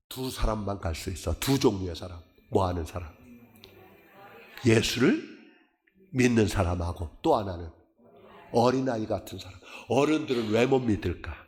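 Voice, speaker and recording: Middle-aged male pastor, lively swooping pitch, call-and-response sermon delivery. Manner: animated preaching, quizzing the congregation with call-and-response questions; acts out skeptics in a high mocking voice.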